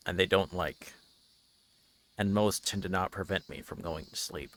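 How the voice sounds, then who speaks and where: Male streamer, fairly low voice, casual chat, reading game text aloud, halting delivery. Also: gravelly, a bit bright.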